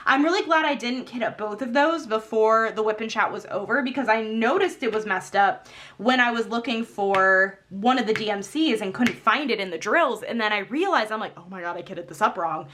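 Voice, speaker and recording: A young woman talks casually while working on a craft, rambling and laughing often. Her voice is slightly hoarse, yet bright and pitched a little high. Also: fairly quick, slight background noise. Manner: rambling, chatty, laughs often, many fillers. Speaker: craft vlogger.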